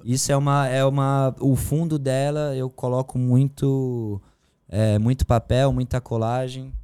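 Relaxed slangy man, mellow voice. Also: medium pitch, measured pace, smooth, no echo. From Brazil. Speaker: guest painter. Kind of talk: casual interview chat. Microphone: studio mic.

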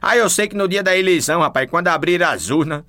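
Folksy joke teller with a northeastern Brazilian accent. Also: male voice, high-pitched, expressive, fast talker, sharp tone. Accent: northeastern Brazilian, Paraíba. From Paraíba, northeastern Brazil. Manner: chatty, peppers talk with "rapaz".

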